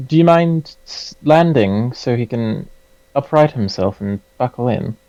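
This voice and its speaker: Guy doing a british-accent elf, gravelly voice, dull lo-fi mic. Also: mid-range voice, lively intonation, unhurried, mellow, dry recording. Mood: easygoing. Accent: put-on British. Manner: casual, offhand. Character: easygoing male elf who loves animals.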